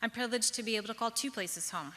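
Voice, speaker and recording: A young woman from the Pacific Northwest telling a personal story on stage, measured and reflective, with lilting pauses. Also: a little high, bright, forceful tone. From Pacific Northwest, USA. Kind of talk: personal story told live. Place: large hall, live stage. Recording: long hall reverb.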